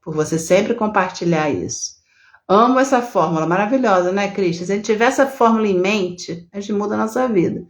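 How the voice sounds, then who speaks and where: A middle-aged Brazilian woman therapist with a Brazilian Portuguese accent, hosting a live stream with casual, warm, teacherly talk. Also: medium pitch, a little fast. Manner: warm, chatty, teacherly, many tag questions.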